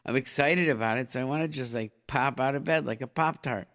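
Man, middle-aged, mid-pitched, call-in show host, informal advice, repeated phrases, Hebrew and Yiddish expressions. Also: brisk, a bit bright. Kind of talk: conversational live call-in advice.

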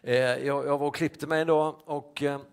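A male pastor telling a personal anecdote in a sermon, halting with many restarts and fillers. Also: a little high, steady tone, gravelly, clear, resonant tone.

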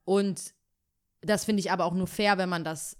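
A woman's voice: on the low side, fairly even intonation, moderate pace. A young woman, co-hosting a podcast in casual chat, thoughtful and hedging with many fillers. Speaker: podcast co-host.

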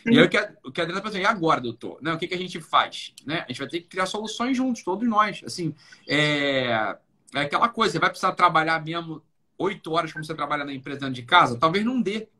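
A high, fast-talking man with a husky, slightly rough voice hosts a live stream. He talks bluntly and insistently, circling back to the same points and dropping the occasional curse word. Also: lively intonation, pushed and bright. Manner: insistent, repetitive, blunt with swearing. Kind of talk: emphatic casual talk.

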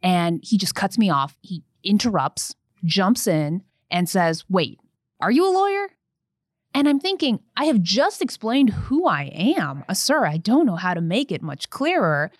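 A young woman attorney telling a personal story in an earnest podcast conversation, growing animated as she recounts events. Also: mid-range voice, measured pace, no echo, studio quality.

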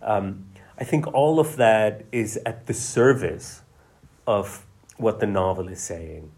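A male novelist, a guest in a conversational interview, explaining his ideas at length in a measured way. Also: on the low side, expressive, darkish tone.

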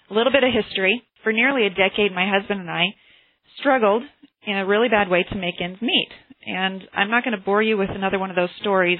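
A woman's voice: medium pitch, no room sound. A woman hosting a motivational class on a group phone call, speaking earnestly and sharing personal stories over a tinny line. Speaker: host and teacher of a motivational class. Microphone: telephone conference call.

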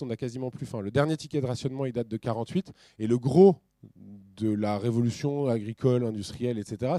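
A middle-aged man from France giving a talk with slides, casual and animated, with ironic asides and many restarts. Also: mid-range voice, no room sound. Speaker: speaker at a business talk.

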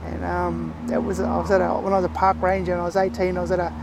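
A man from Victoria with an Aboriginal Australian accent, explaining things reflectively in casual interview talk, often pausing mid-thought. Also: high-pitched, completely flat delivery, vocal fry, noisy background. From Far East Gippsland, Victoria, Australia. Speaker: interview guest.

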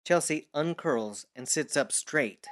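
A man's voice: a little high, animated, takes it slowly. A man working as narrator and announcer, reading scripted narration for an audio drama.

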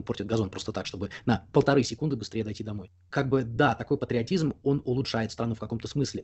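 Husky fast-talking man. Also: mid-range voice, a little mellow. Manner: talkative, opinionated, explains at length with frequent fillers. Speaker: interview guest. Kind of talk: casual conversational interview.

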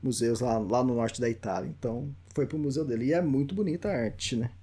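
A man's voice: medium pitch, a little fast, over a noisy crowd. A Brazilian man with a Brazilian Portuguese accent, a book author chatting as a podcast guest, telling anecdotes with laughs. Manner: laughing storyteller, acts out quoted voices. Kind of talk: casual chat.

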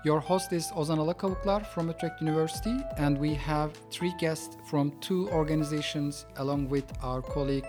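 A man hosting a podcast panel discussion from an office, speaking with frequent hesitations and fillers. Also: fairly high pitch. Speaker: podcast host.

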